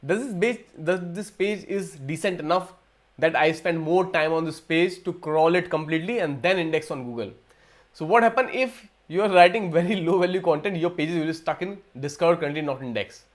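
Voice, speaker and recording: A man from India hosts a casual livestream Q&A, his voice sitting a little higher than most men's. He rambles, restarting sentences and repeating words as he goes, talking into a computer mic. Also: a little fast. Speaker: livestream host. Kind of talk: casual live Q&A talk.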